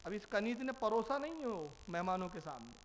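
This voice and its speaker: Male preacher, high voice, animated sermon storyteller who acts out dialogue; faint hiss. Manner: animated, acting out dialogue and questioning listeners.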